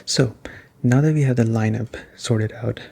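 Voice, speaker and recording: A man giving a soft-spoken, casual ASMR-style video game review in a conversational way. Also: medium pitch, unhurried, creaky, breathy edge.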